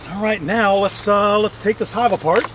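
Faint sounds of bees and insects fill this outdoor clip from a wooded backyard apiary, where a middle-aged hobbyist beekeeper hosts his casual vlog. He talks at a normal speed in a high-pitched voice, chatty and prone to exclamations and starting over. The camera sits on a tripod at a distance.

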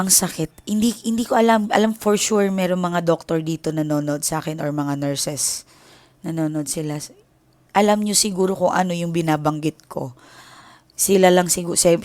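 A woman hosting her own channel, telling viewers a personal story in a casual, emotional way, at times hushed and at times animated, and calling them her loved ones. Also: lowish voice, dry recording. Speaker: tarot channel host.

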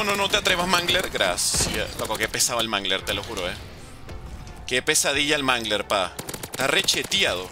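Excitable young gamer man. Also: high-pitched. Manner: animated, excitable, talks to viewers. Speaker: gaming YouTuber. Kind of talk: gameplay commentary. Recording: game music behind voice.

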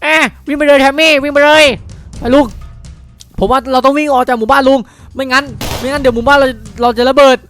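A man plays out a game roleplay with an excitable delivery. He repeats words in rapid bursts and calls out warnings. Loud music runs behind his voice. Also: very high-pitched. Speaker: player acting in a Minecraft roleplay cartoon. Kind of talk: improvised dramatic game roleplay.

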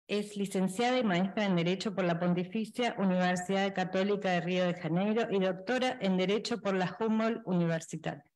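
A woman moderates a panel in a formal setting. Her voice is of middling pitch, and she introduces speakers in a partly read style, speaking into a table microphone. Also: a little mellow, low-quality recording. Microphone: gooseneck table microphone.

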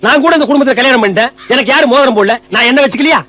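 A man's voice: extremely high pitch, very fast, pushed and bright, no room sound. A man delivering mocking, exasperated film comedy dialogue, scolding everyone around him. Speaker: comic film actor.

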